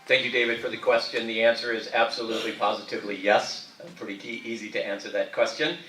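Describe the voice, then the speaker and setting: A man's voice: fairly low pitch, steady tone, fast, pushed and bright, soft background music. A man answering emphatically as a candidate in a political debate. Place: debate hall. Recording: echoey hall from far off.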